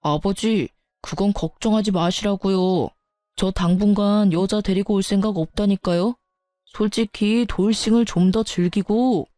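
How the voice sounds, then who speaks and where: A woman's voice: mid-range voice, a little slow, dark tone, dry recording, faint music behind, natural voice. A woman voicing a selfish, entitled husband who complains dismissively, in a dramatized story reading. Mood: whiny.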